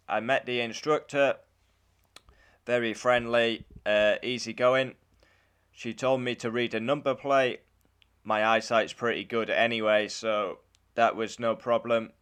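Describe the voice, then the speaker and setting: Man, British accent, medium pitch, casual vlogger, matter-of-fact, informal storytelling. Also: fairly bright tone. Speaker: vlogger, learner driver. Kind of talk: casual vlog recounting.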